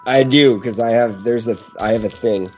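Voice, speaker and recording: A man's voice: mid-range voice, normal speed, faint music behind, rough recording. A man talking casually at a tabletop game as one of the players.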